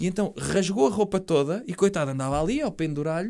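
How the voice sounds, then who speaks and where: A man talks fairly quickly, his pitch varying in an ordinary way. The recording is very clean, and the background is silent. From northern Portugal. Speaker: comedy podcast co-host. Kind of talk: comedic banter.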